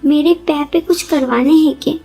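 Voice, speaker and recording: A woman's voice: high voice, normal speed, vocal fry, warm tone, faint music behind. A woman voicing a playful young village sister-in-law who teases in a rustic dialect. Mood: teasing.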